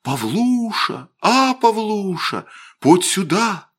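A man voicing a bold, steady village boy who speaks in a measured, deliberate way. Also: high voice, voice pushed up, heavily acted. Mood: calm, grave. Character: bold, steady peasant boy, calm and fatalistic.

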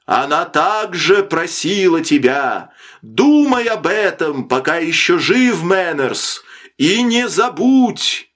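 A man reading an audiobook and voicing a stern middle-aged sailor, who speaks in a measured, grave way and drops to a hush when talking to his child. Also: sits high, very animated, voice pushed up, full character voice. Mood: stern shout.

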